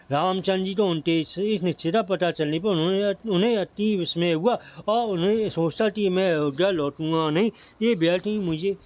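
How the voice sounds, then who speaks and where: A man reading a Hindu devotional epic aloud as a steady recitation, often stumbling and restarting words. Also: high-pitched. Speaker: scripture reader. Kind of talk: devotional scripture narration.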